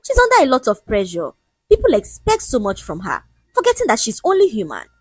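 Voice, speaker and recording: A gentle, humble young woman, voiced by a storyteller, pleads softly in a high, breathy voice with lively rises and falls. Her is clear, and the sound is dry and close. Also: fairly quick, dry recording, heavily acted. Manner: soft, pleading.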